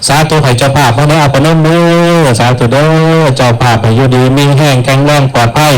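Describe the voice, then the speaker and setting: A man, an abbot with an Isan accent, preaching at a village merit-making ceremony, telling stories in a lively way and acting out the voices of the people in them. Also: mid-range voice, brisk, rough recording. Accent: Isan (northeastern Thai). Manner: lively storyteller acting out quoted voices, calls for blessing. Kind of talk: storytelling folk sermon.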